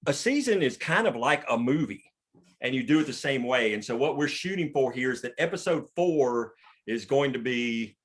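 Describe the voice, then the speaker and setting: A man's voice: mid-range voice, lively intonation, moderate pace, husky. A man leading a casual script discussion, explaining his thinking informally with the odd swear word. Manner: informal, explanatory, occasionally profane. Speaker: writer leading a script table read.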